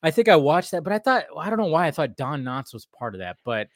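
A man's voice: on the high side, big pitch swings, fast, no echo, clean studio sound. A man co-hosting a fan stream, chatting casually about a cartoon episode, laughing often and restarting his sentences. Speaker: podcast co-host.

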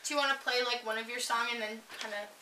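A woman's voice: fairly high pitch, steady tone, fast talker, bright, forceful tone, slight background noise. A woman hosting a casual chat, talking chattily with lots of fillers. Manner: chatty, many fillers, giggly. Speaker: host. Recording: roomy, distant mic.

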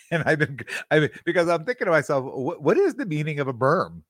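A man's voice: fairly high pitch, very animated, a little fast, a bit bright, dry recording, studio quality. A middle-aged man co-hosting a podcast, telling long casual stories with lots of false starts and restarts. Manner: rambling storyteller with many restarts. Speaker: podcast co-host.

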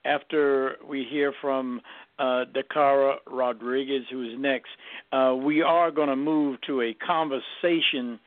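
A man's voice: mid-range voice, steady tone, measured pace, no room sound, narrow, tinny audio. An older man hosting a discussion informally, hesitantly reworking his phrases as he introduces a guest speaker. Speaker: host, moderator. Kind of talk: informal, halting moderation.

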